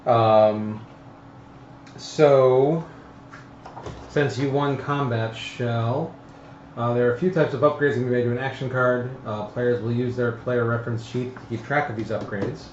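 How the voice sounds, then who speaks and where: A man with a medium-pitched voice explains game rules casually, pausing as he works through them. The recording is dull and echoey, with a little noise behind him. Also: fairly even intonation, darkish tone. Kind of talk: casual tabletop game chat with rules reading. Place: indoor room, group around a game table. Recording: roomy, dull lo-fi live stream with noise.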